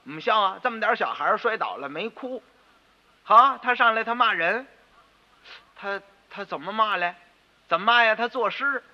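A male storyteller voicing pompous, indignant stewards of a rich house, loud and blustering, on a dull radio recording with long reverb. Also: high-pitched, lively intonation, moderate pace, pauses often, voice pushed up.

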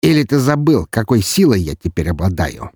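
A man's voice: lowish voice, sing-song, fairly quick, darkish tone, breathy edge, no room sound, clean studio sound, exaggerated voice. Man doing a lazy menacing young nobleman. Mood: mocking.

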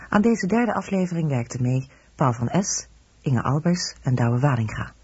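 A man's voice: mid-range voice, darkish tone, husky, no room sound. A man reading scripted radio credits as the announcer. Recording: dull lo-fi radio recording.

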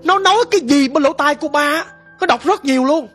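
A woman's voice: sits high, brisk, faint music behind. A woman telling a ghost story in a dramatic, conversational way.

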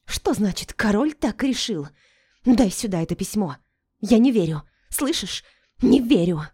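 A woman voicing a hysterical young noblewoman who shrieks and sobs in loud outbursts. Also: mid-range voice, lively intonation, a little slow. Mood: shrieking.

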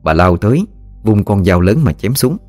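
A man narrating a scripted ghost story in a steady storytelling manner. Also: on the low side, moderate pace, soft background music.

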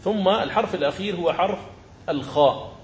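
A man's voice: sits high, slight background noise. Man teaching Quran recitation, echoey room. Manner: explains rules, then slowly chants verses as examples. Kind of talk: tajweed lesson with chanted examples.

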